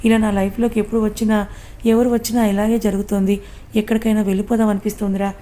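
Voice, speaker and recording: A woman's voice: mid-range voice, little pitch movement, fast talker, dark tone, close to an everyday voice. Woman reading as an angry young man. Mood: sad. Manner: angry, blunt scolding. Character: young man, hot-tempered and troubled. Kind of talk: story read aloud.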